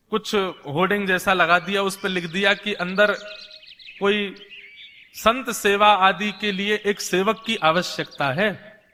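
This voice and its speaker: A man's voice: high-pitched, bright, forceful tone. A man telling a devotional Hindu story in a conversational preaching style, repeating phrases and slipping into dialogue. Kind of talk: devotional katha storytelling sermon, acting out dialogue. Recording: long hall reverb.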